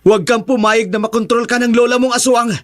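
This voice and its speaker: A man's voice: very high-pitched, steady tone, a little fast, voice pushed up. A man with a Filipino accent voicing a brave young male student who confronts aswang in a horror story. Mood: pleading. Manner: tense, urgent, shouting.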